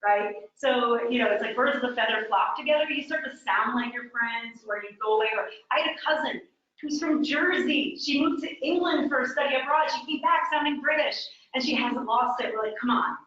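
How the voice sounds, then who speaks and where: A woman's voice: high voice, brisk, a bit bright, echoey room, lo-fi sound. A woman from New York teaching a live real estate workshop, chatty and quizzing her audience. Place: training room with a small audience.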